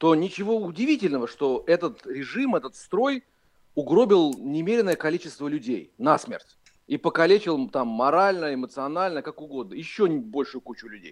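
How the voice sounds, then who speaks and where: At a moderate pace, a high-pitched man speaks with very wide pitch swings and big swings in loudness. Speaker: theologian. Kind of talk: casual chat. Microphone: clear phone line.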